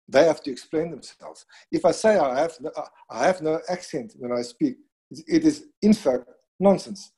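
A middle-aged man with a non-native English accent, speaking thoughtfully in a conversation, with frequent restarts and pauses. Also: a little high, warm tone, breathy edge, poor audio. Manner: thoughtful, halting, with many restarts. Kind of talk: conversational discussion.

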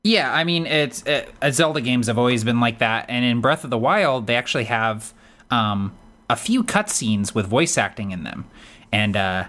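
A man with a high voice, co-hosting a podcast in casual chat, talkative and laughing often with lots of fillers. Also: expressive, moderate pace, fairly bright tone. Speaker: podcast co-host.

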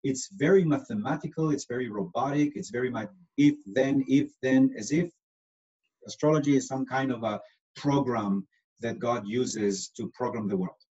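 A man's voice: mid-range voice, moderate pace, darkish tone, dull audio. A man from Israel with an Israeli accent, explaining things patiently in an interview, with lots of fillers. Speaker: astrologer guest.

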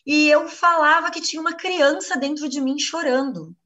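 A woman's voice: sits high, normal speed, sharp tone, recorded from a distance. A Brazilian woman giving an earnest personal testimony in a live class, acting out the things she once said. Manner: earnest, acts out her own quoted speech.

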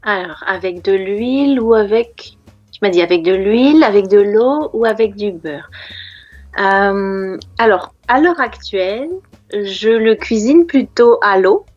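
A woman from France chatting casually as a conversation partner, explaining things patiently with lots of hesitant pauses. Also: medium pitch, animated, a little mellow, dry recording, lo-fi sound, faint music behind. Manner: patient, explains words slowly with many hesitations. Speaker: native French conversation partner.

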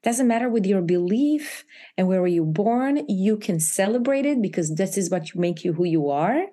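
A woman with an Israeli accent speaks about her own book as an interview guest. Her voice is mellow and relaxed in tone, yet her delivery is animated, with frequent laughs and sudden high swings for emphasis. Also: moderate pace. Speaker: author guest. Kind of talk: interview chat.

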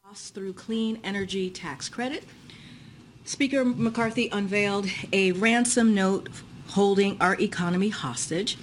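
Measured woman at a podium reading prepared remarks, archive clip with faint noise. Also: mid-range voice. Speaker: press secretary. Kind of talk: formal press briefing statement.

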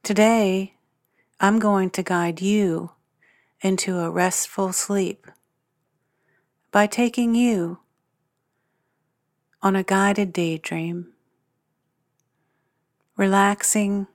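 A woman guiding a sleep meditation in a soothing, hushed, measured manner with long pauses between phrases. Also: medium pitch, fairly even intonation, no echo, studio quality. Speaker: meditation guide, podcast host. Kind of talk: guided sleep meditation narration. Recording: music under the voice. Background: soft guitar and piano music.

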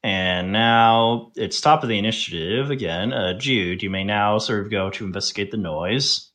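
A man narrating a tabletop game as game master, improvising haltingly with drawn-out pauses. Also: on the low side, a bit bright.

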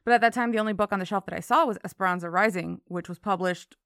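A woman's voice: medium pitch, fast talker, fairly bright tone, dry recording, clean studio sound. A woman from Miami in her thirties with an American accent, telling her story casually as an interview guest. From Miami, Florida.

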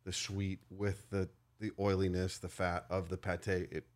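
A man chatting on a studio podcast, relaxed and savoring, his sentences trailing off softly. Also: low-pitched, a little slow. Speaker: podcast co-host. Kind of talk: casual podcast chat.

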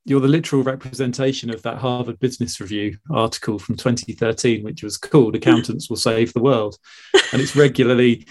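A man's voice: mid-range voice, fairly even intonation, a little fast, darkish tone. Hesitant male interviewer. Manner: hesitant, many restarts. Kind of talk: conversational interview.

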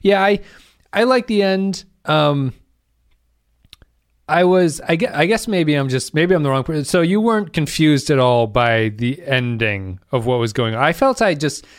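A man's voice: fairly high pitch, animated, normal speed, clean tone, no echo, studio quality. A man co-hosting a podcast in casual chat, hesitant with many restarts and frequent laughter. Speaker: podcast co-host.

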